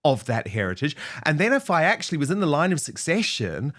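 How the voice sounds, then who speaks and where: A middle-aged man hosts an opinion talk show with lots of emphasis. His pitch moves widely up and down as he argues his points. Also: a little fast. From New Zealand. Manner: animated, emphatic. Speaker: host.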